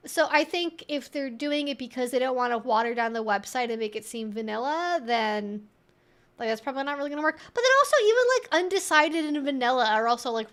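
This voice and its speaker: A woman who is a kink educator hosts a casual live Q&A on a livestream, reading things aloud and reacting in a rambling, amused way as she thinks out loud. Her voice is high with a fairly bright tone.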